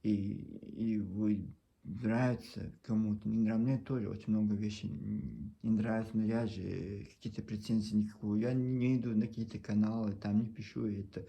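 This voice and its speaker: A low-pitched man with a Chechen accent speaks to his camera in a Russian that is not his mother tongue. His voice is gravelly and mellow. He sounds sincere and pleading, stumbling and circling back as he talks. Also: fairly even intonation. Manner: earnest, pleading, halting with frequent restarts. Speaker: video blogger. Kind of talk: casual monologue to camera.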